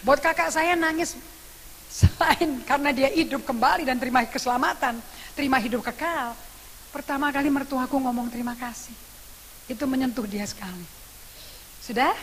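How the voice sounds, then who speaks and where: High-voiced woman pastor preaching in a church hall. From Indonesia. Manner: animated storytelling with acted quotes. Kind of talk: sermon. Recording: long reverb church hall with faint hiss.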